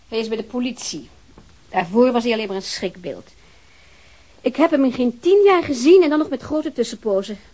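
A haughty, aristocratic lady who is cold and scornful,. Her voice sits a little high. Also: a little mellow, low-quality recording. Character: haughty, aristocratic woman, the detective's sister. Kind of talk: radio play acting.

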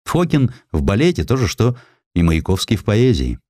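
A man narrating a historical literary sketch in an expressive, theatrical way with dramatic pauses, recorded close in a studio. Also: lowish voice, dry recording. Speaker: audiobook narrator. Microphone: close studio microphone.

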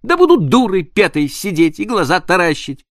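A man reading an audiobook, voicing an impulsive young woman in a high, excitable voice. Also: moderate pace, no echo, clean studio sound. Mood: giddy scheming. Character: young frightened then overjoyed woman, impulsive.

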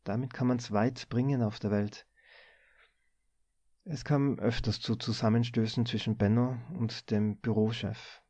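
A man reading a story aloud as an audiobook, in measured, deliberate scripted narration. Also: medium pitch, steady tone, darkish tone, husky, dry recording. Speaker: audiobook reader.

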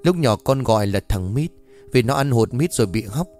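A man's voice: mid-range voice, animated, normal speed, a little mellow, soft background music, natural voice. A man reading a story and voicing a stranger who claims to be a fallen soldier's spirit, speaking in a pained, pleading way.

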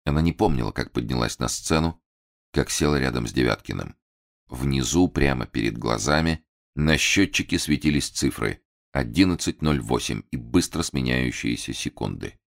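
A man with a very deep voice narrates an audiobook. His reading is measured and expressive, letting the scene build. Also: creaky.

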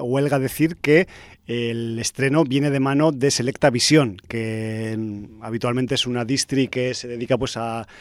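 A man co-hosting a casual chat about new film releases, chatty and quick to throw in jokes. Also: mid-range voice, clean tone, no echo, studio quality. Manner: chatty, laughs easily, quick to add jokes. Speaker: podcast co-host.

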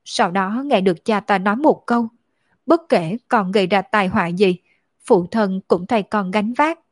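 A woman voicing a lonely, orphaned young woman who speaks slowly with grief and a choked edge. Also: medium pitch, no room sound, studio quality, lightly acted. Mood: sorrowful. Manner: slow, grieving, choked delivery.

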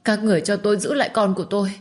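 A woman's voice: fairly even intonation, rapid-fire, close to an everyday voice. A woman voicing a desperate young woman who begs tearfully to keep her child. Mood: pleading tearfully. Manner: tearful, begging, high and pressing.

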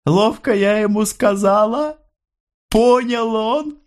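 A man voicing an older working-class mother, proud and plainspoken, his voice raised high. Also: slow. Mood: astonished.

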